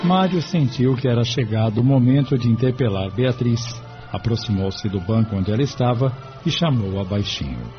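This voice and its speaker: A man narrating an audiobook in steady storytelling. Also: mid-range voice, normal speed. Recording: dull distant sound with music behind.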